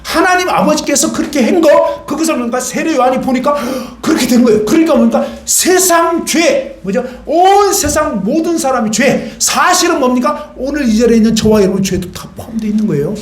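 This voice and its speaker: A man's voice: very high-pitched, animated, fast, few pauses. A man preaching a sermon in a church. He talks conversationally, keeps asking the congregation questions and acts out little scenes. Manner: questions the congregation and asks for answers. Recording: roomy church hall.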